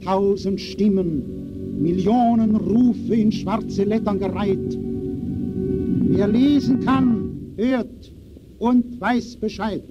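Solemn poetic herald, high chanting male voice, rhythmic, dull noisy vintage radio recording. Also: lively intonation, slow, loud music behind the voice. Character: solemn, urgent poetic announcer calling to the masses. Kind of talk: 1920s expressionist radio play declamation.

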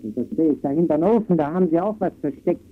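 A man's voice: fairly high pitch, lively intonation, rapid-fire. A man reporting for old-time radio in formal, clipped, declamatory narration. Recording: very noisy muffled archival radio recording.

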